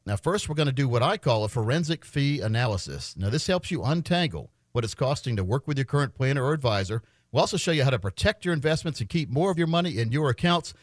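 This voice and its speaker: A middle-aged man hosting a financial radio show, making a folksy infomercial sales pitch straight to the listeners. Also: dry recording, clean studio sound. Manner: folksy, addresses listeners directly. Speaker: financial radio show host, retirement adviser.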